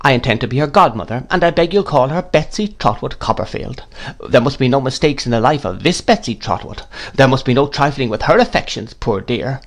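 A man's voice: medium pitch, animated, fairly quick, pitched above the performer's own voice. A man voicing a stern, brusque older woman who gives orders in a clipped, scolding way. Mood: commanding.

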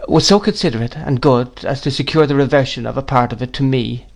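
A man's voice: medium pitch, fairly quick, creaky, voice pushed up. A man voicing a meek young widowed mother who answers faltering and apologetic. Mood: timid.

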